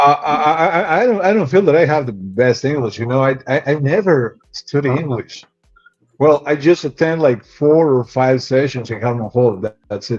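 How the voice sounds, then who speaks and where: With a slight Mexican accent, a man talks in a fairly high pitch with lively intonation. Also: moderate pace. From Mexico, Monterrey. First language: Spanish. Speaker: technical inspection trainer. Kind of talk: casual group chat. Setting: online live stream. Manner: hesitant, many repetitions.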